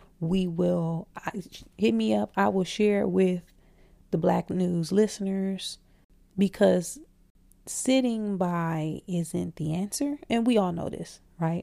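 A woman with a fairly low pitch and a dark, mellow tone speaks at a very slow pace, swinging very widely in pitch. The recording is very clean against a silent background. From Flint, Michigan. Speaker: podcast host. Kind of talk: casual solo podcast commentary. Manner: animated.

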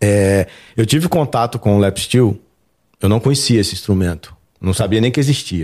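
In a very clean recording with a silent background, a man with a fairly low voice speaks at a moderate pace and very even loudness, using lively intonation and long, frequent pauses. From Minas Gerais, Brazil (Juiz de Fora). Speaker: instrument maker and entrepreneur. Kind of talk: casual interview.

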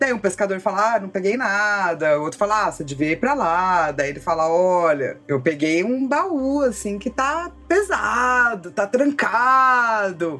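Amid noticeable background noise, a woman of medium pitch talks at a fairly slow pace with hardly any pauses and very wide pitch swings. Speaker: guest storyteller. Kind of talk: casual chat.

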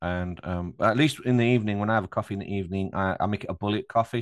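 A man in an English accent with a fairly low pitch, at a very fast pace. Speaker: sovereignty and law educator. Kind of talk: casual interview conversation.

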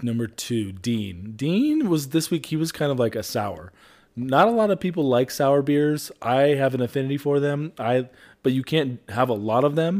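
Against a silent background in a very clean recording, a man with an unremarkable speaking voice and a fairly high pitch talks with lively intonation. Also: moderate pace. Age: 30s. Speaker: podcast co-host. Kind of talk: casual chat.

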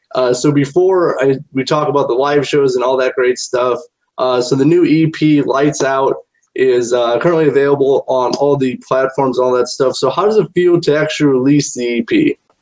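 Using an unremarkable speaking voice, a man talks at a moderate pace with fairly high pitch, fairly even intonation and very even loudness. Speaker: radio host. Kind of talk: casual interview.

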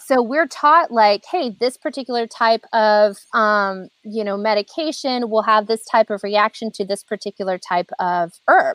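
In an unremarkable speaking voice with an American accent, a woman talks at a fairly slow pace, her fairly high pitch carried by lively intonation. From US, Northern California. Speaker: acupuncturist and Chinese medicine doctor. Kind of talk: casual interview.

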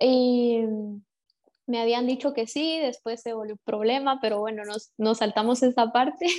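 A woman with a Guatemalan accent speaks fairly slowly in a high voice with fairly even intonation. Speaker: professional footballer. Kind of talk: interview. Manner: halting, many repetitions.

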